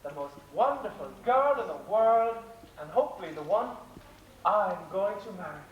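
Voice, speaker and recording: A man's voice: high-pitched, expressive, moderate pace, highs cut off. A man playing Robin Hood as a friendly, earnest young hero with an Irish accent on a theatre stage. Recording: echoey hall from far off.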